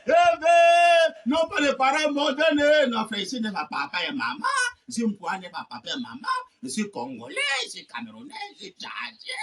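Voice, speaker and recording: A man preaching a fervent sermon, often shouting and repeating refrains between phrases. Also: very high voice, lively intonation, moderate pace, gravelly, far from the mic. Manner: shouting, repeating "eh ben" and "amen".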